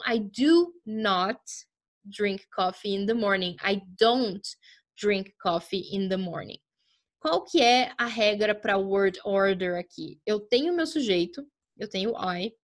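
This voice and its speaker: A woman's voice: on the high side, a bit bright. Chatty woman teaching English. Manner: chatty, checks in often with "tá?" and "certo?"; slows down to spell out English example sentences. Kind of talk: explaining grammar at a whiteboard.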